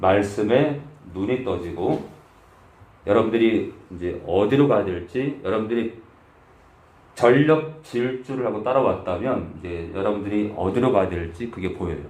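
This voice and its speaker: With audible room echo around him, a man speaks at a fairly slow pace in a fairly low, somewhat breathy voice. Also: lively intonation. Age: 50s. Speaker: pastor. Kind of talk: sermon.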